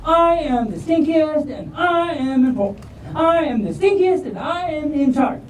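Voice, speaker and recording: A woman voicing a bossy, self-important stink bug villain with a Southern US accent and pompous, drawn-out delivery in storybook reading. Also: high voice, animated, voice pushed up. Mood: pompous, domineering. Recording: echoey room, distant mic, faint noise.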